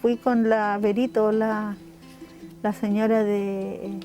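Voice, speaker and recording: A woman's voice: mid-range voice, level tone, slow, dark tone, faint music behind. An older woman with a Chilean accent gives a heartfelt documentary testimony, acting out the dialogue as she tells it. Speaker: mother of a political prisoner.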